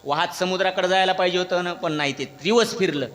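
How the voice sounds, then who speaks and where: A man delivers a devotional kirtan sermon, telling a story and acting out its characters as he goes. His voice is bright and forceful and sits somewhat high. The sound rings through a large hall with a long, roomy reverb. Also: quick pace. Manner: animated storyteller, acts out characters, questions the audience. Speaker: kirtan preacher. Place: large echoey hall at a religious gathering.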